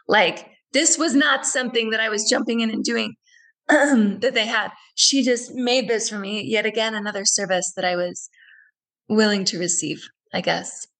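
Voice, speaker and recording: A woman's voice: a little high, normal speed, fairly bright tone, rough recording. A woman guest in a radio interview who tells a personal story earnestly and reflectively, often repeating phrases.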